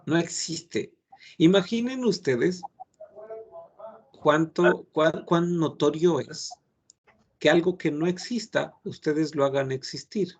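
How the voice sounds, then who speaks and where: A man's voice: a little high, takes it slowly. A man, a French teacher lecturing his class in an earnest, admonishing way, giving many examples.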